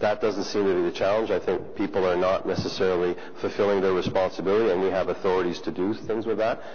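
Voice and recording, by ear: A man's low voice, fast-paced, with fairly even intonation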